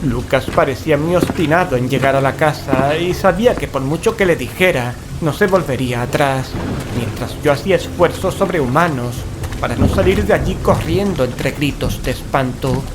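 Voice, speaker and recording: A man's voice: on the high side, normal speed, natural voice, low-quality recording. An actor from playing a fearful male paranormal investigator, telling horror in an anxious, ornate, dramatic way. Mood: tense dread. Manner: anxious, ornate, dread-laden delivery. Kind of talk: dramatic first-person horror narration and radio-play dialogue. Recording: dramatic music, rain and thunder behind. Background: music, rain, thunder.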